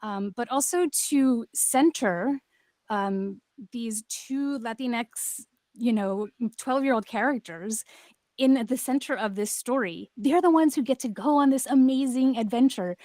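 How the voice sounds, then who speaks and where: A woman's voice: fairly high pitch, unhurried, a little mellow, dry recording. A woman speaking as a panel guest, explaining her creative project with enthusiasm.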